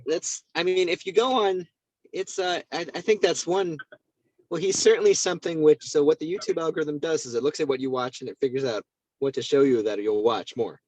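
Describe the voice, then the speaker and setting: A man's voice: fairly high pitch, brisk, a little mellow, dry recording, poor audio. A man in a casual analytical conversation, speaking as a discussion partner who questions and carefully qualifies his points.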